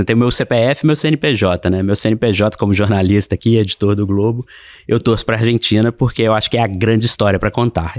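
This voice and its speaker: Fast-talking Brazilian man, dry sound. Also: on the low side, a little mellow, no echo. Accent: Brazilian Portuguese. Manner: fast, hesitant, repeats words. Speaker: newspaper sports editor, guest. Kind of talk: podcast interview.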